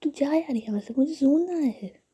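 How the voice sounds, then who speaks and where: A woman's voice: sits high, lively intonation, normal speed, warm tone, voice pushed up. A woman voicing an irritable, sleepy young woman, whispering her curt, annoyed lines.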